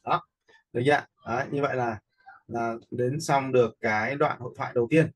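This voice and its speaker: A man giving an informal step-by-step software tutorial as an instructor, often checking that viewers follow. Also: mid-range voice, fairly even intonation, fairly quick. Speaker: video editing instructor.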